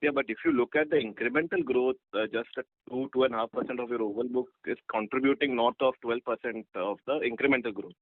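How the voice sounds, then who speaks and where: A man's voice: mid-range voice, fast talker, hardly any pauses, dry recording. A man asking questions as an analyst on an earnings call, in a tentative, hesitant way. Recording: dry, muffled phone line.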